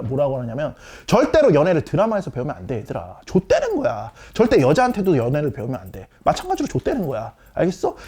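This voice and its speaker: A man in his thirties gives a dating lesson in a casual big-brother tone that is blunt and swaggering. He talks fast, and his voice swings up and down with animated emphasis. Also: a little high. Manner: blunt, swaggering big-brother tone, peppered with slang and "okay?" checks. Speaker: dating coach. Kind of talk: casual lecture to young men.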